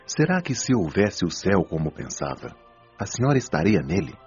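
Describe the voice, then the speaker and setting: An actor with a Brazilian accent playing a wise, patient spirit doctor who counsels souls in a measured, admonishing way in an audio drama. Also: male voice, deep voice, very animated, husky, exaggerated voice. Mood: patient, firm. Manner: didactic, measured, gently admonishing. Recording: dull lo-fi audio, music behind.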